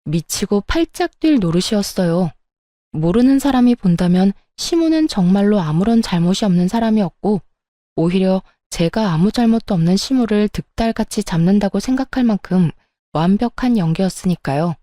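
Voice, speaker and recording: Woman telling a story first-person, mellow voice, dry sound, aggrieved but steady. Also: mid-range voice, normal speed, no echo. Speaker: narrator.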